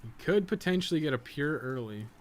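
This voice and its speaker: This game streamer and podcast co-host from North America talks a little fast in a high-ish voice with lively intonation. He rambles bluntly and swears freely, sharing strong opinions as he plays. There's slight background noise.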